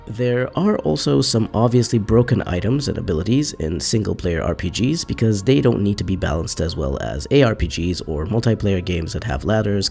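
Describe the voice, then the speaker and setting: A man hosting his own gaming channel, reading a scripted video essay in a calm, measured, explanatory way. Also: fairly low pitch, vocal fry.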